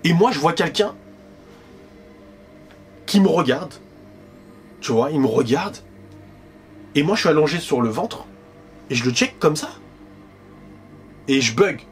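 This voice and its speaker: Slangy, animated male storyteller. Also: a little high, measured pace, long pauses. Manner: slangy, animated, addresses the listener with constant asides. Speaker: YouTuber telling a storytime. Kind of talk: casual storytelling to camera. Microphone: directional microphone.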